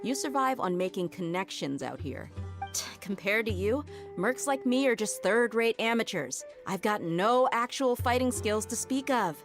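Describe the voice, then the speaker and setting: A woman's voice: medium pitch, animated, moderate pace, soft background music, lightly acted. A woman playing a shrewd, confident female mercenary in a video game, with a folksy, self-assured, explanatory delivery. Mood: firm, assured.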